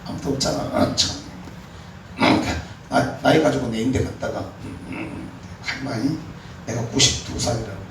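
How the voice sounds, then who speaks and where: A man preaching a sermon as pastor, exhorting with animated, emphatic peaks. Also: mid-range voice, normal speed, creaky. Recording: echoey hall, mic far off, faint room noise.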